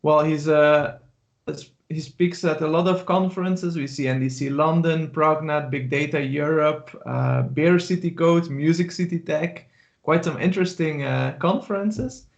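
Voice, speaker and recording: A man hosting an online community event, introducing a guest speaker in a friendly, slightly halting way over a video call. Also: on the high side, gravelly. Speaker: host. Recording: dull lo-fi call audio.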